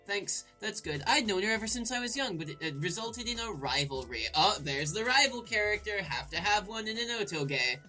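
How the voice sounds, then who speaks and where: A woman let's play host with a bright, very animated voice over faint game music. She slides between reading aloud and irreverent, crude commentary. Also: medium pitch, a little fast, hardly any pauses. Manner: irreverent, crude, jokey asides.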